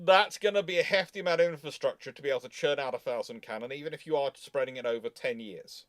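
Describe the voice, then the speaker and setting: A man's voice: mid-range voice, quick pace, a bit bright, dry recording. A man hosting a casual live discussion, explaining things in an emphatic way. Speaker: host of a live naval history Q&A stream.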